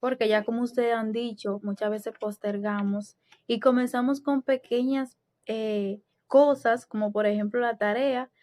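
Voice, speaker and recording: A woman's voice: on the high side, fairly even intonation, a little slow, few pauses, a little mellow, dry recording. A woman from the Dominican Republic with a Dominican Spanish accent, a co-host on a Christian podcast who speaks in a composed, earnest way. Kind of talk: casual Christian podcast chat.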